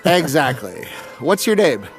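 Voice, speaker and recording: A man's voice: on the high side, very animated, unhurried, creaky, soft background music, exaggerated voice, poor audio. An actor playing a hapless, good-humoured man on a café date in an audio comedy, with a wry, self-deprecating, joking manner. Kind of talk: audio drama comedy acting, conversational.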